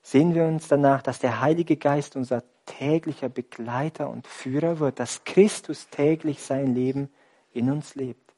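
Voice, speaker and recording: A man preaching a sermon, asking the congregation rhetorical questions and swinging between loud, emphatic passages and hushed, near-whispered lines. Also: mid-range voice, unhurried.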